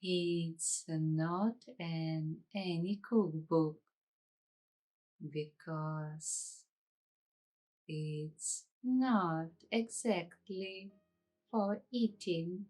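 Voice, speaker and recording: A woman guiding an ASMR meditation in a hushed, unhurried way, leaving long pauses between short phrases. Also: lowish voice, rough recording. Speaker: ASMR host and meditation guide. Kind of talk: slow ASMR guided meditation.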